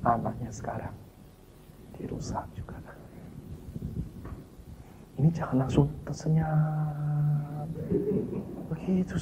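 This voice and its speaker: Man preaching a sermon, high voice, loud bursts and hushed asides, dull lo-fi sound, faint ambience. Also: noisy background. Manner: swings between loud exclamations and hushed low asides, addressing the congregation. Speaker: pastor. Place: church hall.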